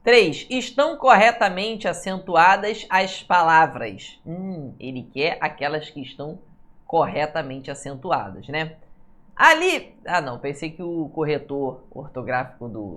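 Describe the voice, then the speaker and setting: A Brazilian woman with a bass voice leads an online exam-prep lesson in Portuguese for civil service tests, going through the answers. She's lively, often checks in with "tá, pessoal?", and slowly stretches out words when stressing a rule.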